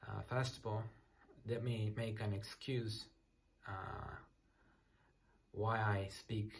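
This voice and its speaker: A man in his thirties from Japan with a Japanese accent, speaking English softly and hesitantly at night in a small apartment room, searching for words with many fillers. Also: lowish voice, level tone, takes it slowly, a little hiss or hum. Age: 30s. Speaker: English learner. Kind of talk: casual self-introduction to camera.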